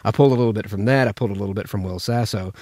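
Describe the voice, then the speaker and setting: An American man gives an informal voice acting lesson. His voice is on the low side, and he talks in a chatty, anecdotal way. The recording is dry, with little room sound. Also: racing, mellow, dry recording. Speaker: voice actor teaching impressions. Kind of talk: casual tutorial chat.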